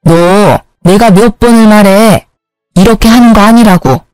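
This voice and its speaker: A woman voicing a stern older mother-in-law who speaks slowly and scolds. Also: medium pitch, a little mellow, smooth, no room sound, soft background music, lightly acted. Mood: scolding. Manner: slow, scolding.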